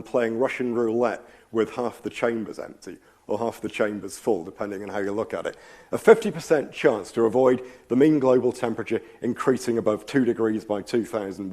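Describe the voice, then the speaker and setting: Losing his voice to a slight cold, a man rambles thoughtfully through a public science lecture in a lecture hall, often saying um and wandering into asides. His pitch is medium and his tone darkish.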